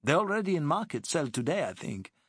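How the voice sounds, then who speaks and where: A man's voice: fairly high pitch, sing-song, fairly quick, a bit bright, breathy edge, no room sound, studio quality, pitched above the performer's own voice, full character voice. A man voicing a shrewd, proud Arab boat captain who speaks formal, broken English with courtesy.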